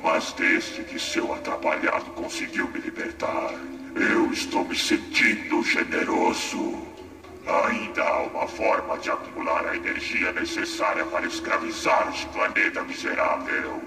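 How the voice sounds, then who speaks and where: A man's voice: deep voice, measured pace, sharp tone, roomy sound, full character voice. A man voicing a furious, tyrannical evil mask spirit in a dubbed game, harsh and grandiose. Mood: menacing. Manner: grandiose, threatening. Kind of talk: dubbed video game cutscene acting. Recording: distant game audio under music.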